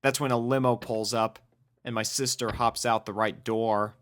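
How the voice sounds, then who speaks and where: A man's voice: medium pitch, fairly even intonation, normal speed, fairly bright tone, no echo, studio quality. A man reading a scripted first-person story as its narrator. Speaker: fan fiction reader and narrator.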